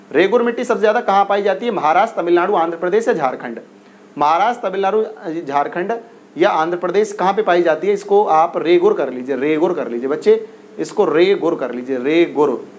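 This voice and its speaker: A man teaching an exam-prep class in a high, bright-toned voice. He repeats each question several times and keeps urging his students to answer fast. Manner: repetitive, coaxing, drills questions and urges quick answers.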